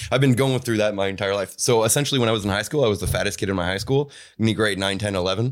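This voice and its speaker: A man with a fairly low pitch speaks at a very fast pace in an animated tone. The recording is very clean, with a silent background. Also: ordinary pitch variation. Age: 30s. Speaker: comedian. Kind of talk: casual chat. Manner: animated, profane.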